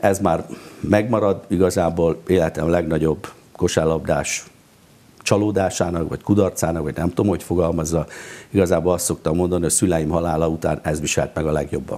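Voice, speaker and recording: Fairly quick, fairly even speech from a man with a very deep, low voice. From Hungary, Zala county (Zalaegerszeg); Hungary. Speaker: basketball coach. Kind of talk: interview. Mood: reflective, calm. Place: studio.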